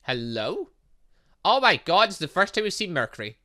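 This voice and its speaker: A man's voice: sits high, big pitch swings, moderate pace, pushed and bright. A man reading visual novel dialogue aloud as a gaming host, breaking off into casual asides and exclamations.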